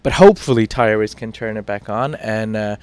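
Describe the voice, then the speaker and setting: A man's voice: on the low side, fairly quick, a little mellow, smooth, dry recording. A man with a British accent hosting a morning TV show, talking through news in a chatty, self-mocking way with fillers and restarts. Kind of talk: casual news chat.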